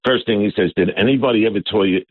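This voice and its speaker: A middle-aged man with a very low, loud voice talks earnestly and rambles, stopping and restarting with fillers. He comes through a tinny phone line, dry and narrow. He sounds like a caller talking on air. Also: fast, no room sound. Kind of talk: phone-in conversation. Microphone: telephone.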